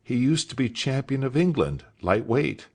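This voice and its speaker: A man's voice: medium pitch, expressive, moderate pace, vocal fry, darkish tone, voice pushed up. A man reading aloud voices a nervous, earnest teenage schoolboy who speaks hesitantly.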